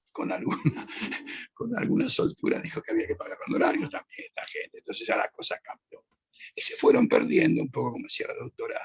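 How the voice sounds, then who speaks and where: Older man, gravelly and husky. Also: fairly high pitch. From Argentina. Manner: reminiscing, digressive, self-correcting. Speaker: judge, interview guest. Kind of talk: anecdotal interview answer.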